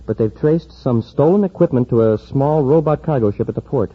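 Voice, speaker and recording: A man's voice: medium pitch, dry recording, lightly acted. A man playing an earnest young space cadet sidekick who worries easily, in a 1950s radio drama. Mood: dutiful. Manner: earnest, quick to worry. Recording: dull old radio broadcast with loud hiss.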